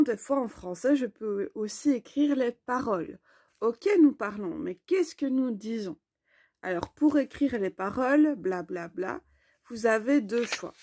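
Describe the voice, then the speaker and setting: A woman teaching a grammar lesson in a slow, clear, explanatory way. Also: on the high side, a little mellow, no echo, studio quality.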